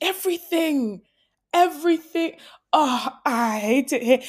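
In a London accent, a woman talks with very wide pitch swings. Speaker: podcast co-host. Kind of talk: casual chat.

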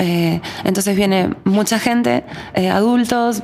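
With noticeable background noise, a woman speaks at a medium pitch with ordinary pitch variation. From Argentina. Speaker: festival producer. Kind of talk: interview.

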